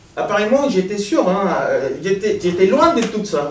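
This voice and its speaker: A man speaks at a high pitch and a very slow pace, with very wide pitch swings. Noticeable background noise runs under his voice. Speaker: novelist. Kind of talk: author talk at literary event. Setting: stage with audience. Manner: halting, many repetitions.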